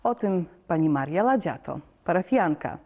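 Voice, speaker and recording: A woman's voice: lowish voice, lively intonation, moderate pace, a little mellow. A woman, a television presenter, giving a composed, articulate scripted introduction inside a church. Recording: long church reverb.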